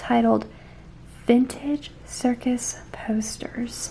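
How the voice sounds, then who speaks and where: A calm, soft-spoken woman with a fairly high pitch, fairly even intonation and an American accent. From Georgia, US South. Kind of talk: ASMR show-and-tell. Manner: soft-spoken, calm.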